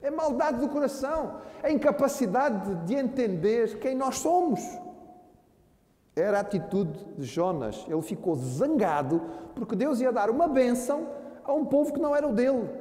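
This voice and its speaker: A man's voice: extremely high pitch, very animated, moderate pace, warm tone. A man with a Brazilian Portuguese accent, a pastor preaching a sermon who earnestly calls his listeners brothers. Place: church hall. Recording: echoey church hall with long reverb.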